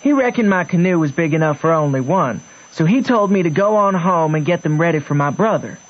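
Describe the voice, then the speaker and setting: A man's voice: fairly high pitch, animated, fairly quick, highs cut off. A man playing a plainspoken, unschooled Southern boy telling his story in a radio drama. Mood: folksy, wry. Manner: folksy, storytelling.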